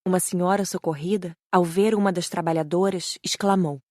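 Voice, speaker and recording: A woman's voice: fairly low pitch, steady tone, brisk, darkish tone, no echo, clean studio sound. A woman with a Brazilian accent reading a scripted first-person audiobook narration.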